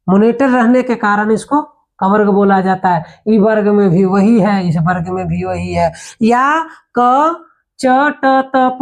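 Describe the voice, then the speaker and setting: A woman teaching a grammar lesson, explaining with rhetorical questions and homely examples, then reciting letters slowly and carefully. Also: medium pitch, darkish tone.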